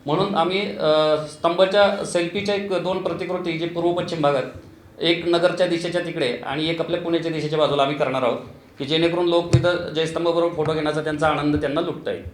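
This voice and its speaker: Guy giving a news interview, kinda high voice, lots of "uh"s, echoey room with a bit of background hum. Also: fairly even intonation. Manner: halting, with frequent "uh" fillers and long lists. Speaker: local committee president. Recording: echoey room with faint ambient noise.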